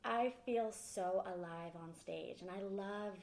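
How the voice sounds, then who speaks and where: A woman from Sweden, a podcast guest, telling her story in a lively, candid way. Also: mid-range voice, slow pace, echoey room. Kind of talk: casual interview talk.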